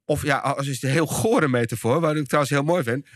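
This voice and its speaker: A man with a Dutch accent, a podcast guest explaining his ideas with frequent restarts and searching pauses. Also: fairly high pitch, dry recording, studio quality. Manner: thoughtful, searching for words with many restarts. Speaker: podcast guest, behavioral scientist and speaker. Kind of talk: casual podcast conversation.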